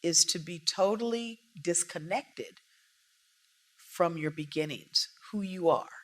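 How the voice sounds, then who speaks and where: A woman's voice: fairly low pitch, slow. A woman, a guest in a casual interview, telling stories emphatically and with animation. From United States.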